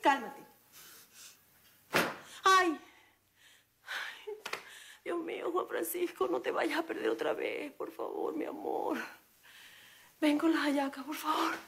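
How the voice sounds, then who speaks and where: A frazzled wife, high voice. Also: female voice, a little slow, long pauses, slight background noise. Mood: pleading. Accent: Venezuelan. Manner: flustered and exclamatory, talks herself calm. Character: frazzled woman on New Year's Eve. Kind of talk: TV comedy-drama acting.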